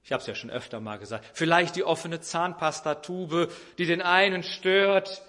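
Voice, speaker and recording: Man, preacher, sermon, storytelling, acts out the people he describes, fairly high voice. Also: moderate pace, pushed and bright.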